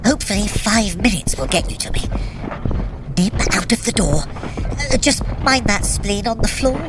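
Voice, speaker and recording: A woman's voice: mid-range voice, animated, normal speed, noisy background, natural voice. A woman playing a sly, teasing trickster god in an audio drama, captive but cocky, with a wry, theatrical, coaxing manner. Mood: wry, playful. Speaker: voice actor in a fitness audio drama. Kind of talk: audio drama acting, guiding a runner.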